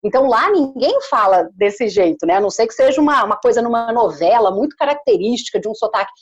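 Chatty brazilian woman, caipira country accent from paraná, highish voice, kinda dull audio. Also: expressive, quick pace. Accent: caipira country accent of northern Paraná. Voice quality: good clear diction. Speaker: commercial voice-over artist. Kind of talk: casual conversational interview.

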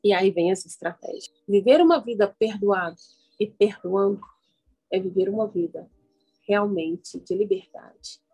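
A woman's voice: medium pitch, unhurried, dark tone, slightly rough, poor audio. A Brazilian woman hosting a motivational self-help radio program, instructing listeners directly with emphatic repetition and guided declarations, with music behind her.

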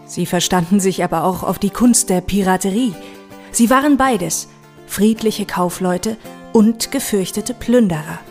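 A woman's voice: medium pitch, measured pace, a little mellow. A woman reading scripted narration for an audio walk, with guitar music behind her.

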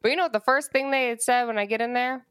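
A woman's voice: on the high side, quick pace, fairly bright tone, clear, resonant tone, no echo, clean studio sound. A young woman co-hosting a podcast, chatting casually and acting out bits of dialogue as she tells a story. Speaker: podcast co-host. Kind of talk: casual chat. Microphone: studio podcast mic.

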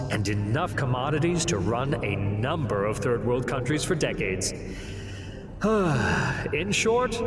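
An actor playing a smooth-talking demon who works as a defense lawyer, telling his story in a theatrical, wry way for an audio drama. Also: medium pitch, lightly acted. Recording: reverberant hall, music underneath.

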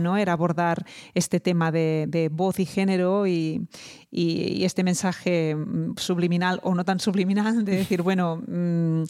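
A woman's voice: lowish voice, a little mellow. A woman hosting a voice podcast and chatting casually, with frequent restarts and tag questions. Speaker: podcast host and voice coach. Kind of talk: casual conversational interview.

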